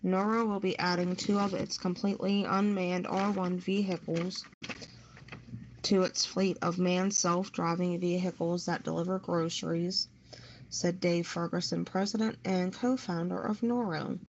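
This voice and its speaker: Low-voiced woman on muffled, noisy audio. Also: steady tone, unhurried. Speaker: radio show co-host. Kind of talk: reading news, then casual discussion. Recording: muffled lo-fi audio with background noise.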